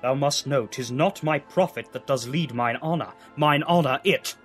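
An actor playing a proud, hearty Roman commander in a Shakespearean audio drama, declaiming with authority. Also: male voice, medium pitch, moderate pace, soft background music, lightly acted. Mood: stern.

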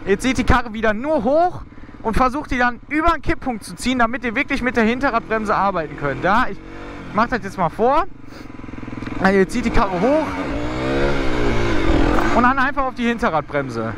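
Young male motovlogger, very high voice, coaching casually from inside a helmet, clear engine noise behind him. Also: big pitch swings, brisk. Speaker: motovlogger giving a riding tutorial. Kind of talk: casual instructional commentary while riding. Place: outdoors inside a helmet, riding a motorcycle. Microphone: mic inside motorcycle helmet.

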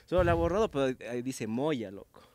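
A man's voice: medium pitch, expressive, fast talker, a little mellow, no echo. A young man, a podcast guest telling school stories in a loose, rambling way with frequent laughs. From Ecuador. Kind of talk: casual comedy podcast chat.

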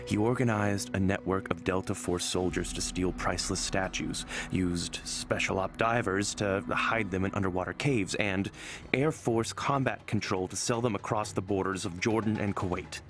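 A man's voice: deep voice, steady tone, normal speed, over music. A male actor playing a resolute, world-weary fugitive ex-soldier in a motion-comic thriller, grave and determined in manner. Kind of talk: dramatic motion-comic voice acting.

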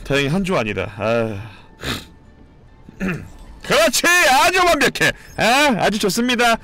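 A man streaming a competitive game, commenting live, cheering teammates and shouting and swearing as he plays. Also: high-pitched, measured pace, faint music behind. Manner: excitable, shouts and swears during play; cheers on teammates with repeated calls.

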